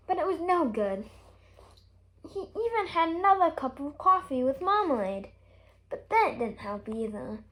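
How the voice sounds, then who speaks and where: A woman reads a children's story aloud in a high voice. Her delivery is expressive and emphatic, with a melody that swings widely from phrase to phrase. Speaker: story reader.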